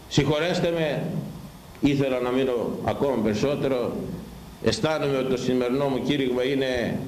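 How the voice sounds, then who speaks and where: A man preaching a fiery sermon, shouting and scolding his listeners with wide swings in pitch. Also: echoey room, slight background noise, poor audio.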